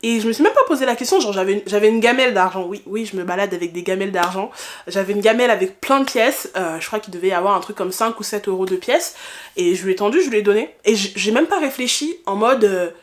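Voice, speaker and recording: A woman's voice: medium pitch, animated, quick pace. A woman, talking casually and candidly to her viewers in a reflective personal vlog, repeating phrases for emphasis. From France. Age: 20s. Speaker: vlogger.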